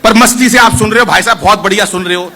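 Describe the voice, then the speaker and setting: A man's voice: sits high, fast, sharp tone. A man telling comic stories live to an audience at a poetry gathering, addressing the crowd directly and coaxing them to clap. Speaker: stand-up poet at a poetry gathering. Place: live event venue with an audience.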